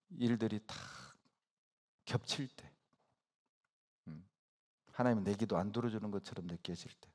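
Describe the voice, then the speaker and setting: Animated Korean male pastor preaching. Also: medium pitch. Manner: storytelling with sudden loud bursts and hushed asides. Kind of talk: sermon. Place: church sanctuary.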